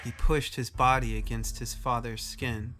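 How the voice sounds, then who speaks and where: Slow-paced man narrating a dramatic story. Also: mid-range voice, little pitch movement. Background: music under the voice.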